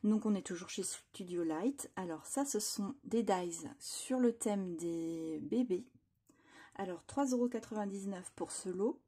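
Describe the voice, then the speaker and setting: Woman, craft haul host, chatty and enthusiastic, dark mellow tone, slightly husky. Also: medium pitch, unhurried. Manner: chatty, enthusiastic, frequent fillers and restarts. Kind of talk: casual product haul presentation. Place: home craft room.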